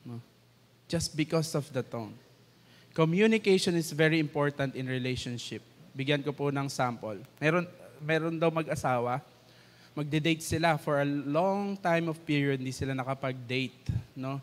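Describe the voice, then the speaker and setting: This man has a Filipino accent and a slightly high voice at normal speed. He gives a conversational church teaching, mixing in English and acting out quoted lines. The church hall adds long reverb.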